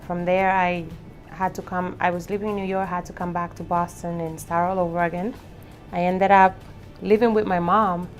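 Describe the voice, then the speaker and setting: A woman from the Dominican Republic, speaking reflectively with hesitant restarts in a documentary interview. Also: on the low side.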